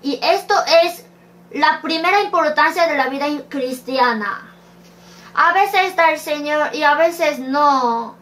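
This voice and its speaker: A woman's voice: high voice, takes it slowly, fairly bright tone. A woman preaching a sermon, reading scripture verses aloud and asking rhetorical questions. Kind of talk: slow sermon.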